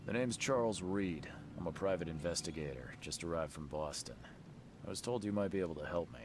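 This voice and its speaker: An actor playing a polite, reserved private investigator in a video game, speaking in a measured, courteous way. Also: male voice, low voice, animated, noisy background. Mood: polite, businesslike. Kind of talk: video game dialogue acting.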